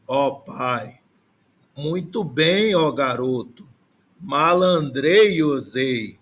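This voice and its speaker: A man teaching an ancient Greek class, explaining pronunciation patiently and glossing words one by one, often checking in with "né?". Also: a little high. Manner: slow, patient explaining with frequent "né?". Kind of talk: online language class.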